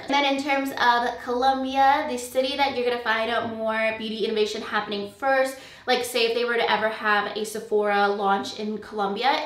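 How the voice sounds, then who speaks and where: A chatty young American woman, a beauty vlogger, talks casually to camera with lots of fillers like "um" and "like." Her voice is on the high side and fairly bright. She sits far from the mic in an echoey room, slightly off-mic.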